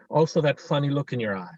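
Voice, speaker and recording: A man's voice: mid-range voice, lively intonation, a little fast, darkish tone, dry recording, close to an everyday voice. A man acting a friendly, earnest young Swede in a script table read, hesitant and searching for words. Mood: friendly, chatty. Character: friendly, mock-menacing young Swedish man, earnest and sensitive. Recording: dull, lo-fi video-call audio.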